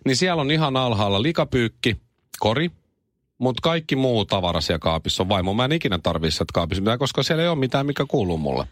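A middle-aged man hosting a morning radio show, reading news and telling stories with animated deadpan humor. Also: medium pitch, no room sound, clean studio sound. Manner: animated storytelling, deadpan jokes.

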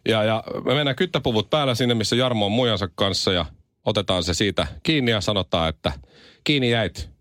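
A man jokes his way through a radio morning show, laying out a silly plan with a grin. His voice sits on the low side. The studio sound is dry and close. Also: a bit bright, dry recording. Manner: playful, pitches silly ideas at length. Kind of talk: joking studio banter.

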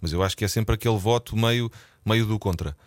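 A Portuguese man with a European Portuguese accent talks as a guest on a radio show. He speaks quickly in a lowish voice, often pausing to restart his thoughts. The studio sound is close and dry. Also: dry recording. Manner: hesitant, restarts often, thinking aloud. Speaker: musician guest. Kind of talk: radio interview chat.

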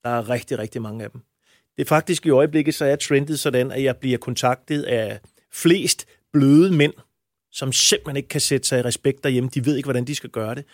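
A man's voice: mid-range voice, no room sound, clean studio sound. A man talking as a coach in an interview, blunt and emphatic, with frequent crude language. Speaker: men's coach. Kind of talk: interview answers.

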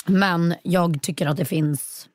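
A woman's voice: lowish voice, fairly even intonation, a little mellow, dry recording. A woman guesting on a casual podcast, swearing, squealing and laughing in disgust.

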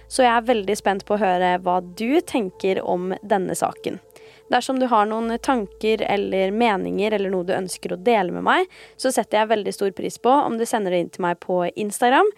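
A woman's voice: medium pitch, vocal fry. A woman hosting a podcast, narrating true crime in a conversational style. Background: background music.

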